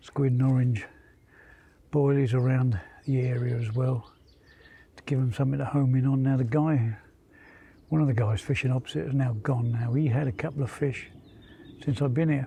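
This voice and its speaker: Here a man speaks at a medium pitch, somewhat breathy. His intonation stays fairly even, broken by long, frequent pauses. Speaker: carp angler vlogger. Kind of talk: casual vlog narration. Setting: outdoors by a lake. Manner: fast.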